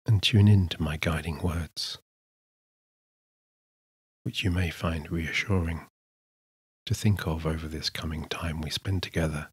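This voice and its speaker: Very deep-voiced man guiding sleep hypnosis. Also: slightly rough, no echo, clean studio sound. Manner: slow, soothing, measured delivery with pauses. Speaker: hypnotist, guided meditation narrator. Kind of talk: scripted sleep hypnosis, soothing guided relaxation.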